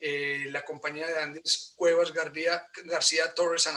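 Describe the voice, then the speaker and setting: This man speaks with an Antioquian accent at a fairly slow pace. His voice is fairly high in pitch, with monotone, flat intonation. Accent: Colombian paisa Spanish. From Colombia, Antioquia (Medellín). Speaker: real estate and mortgage businessman. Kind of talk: webinar presentation.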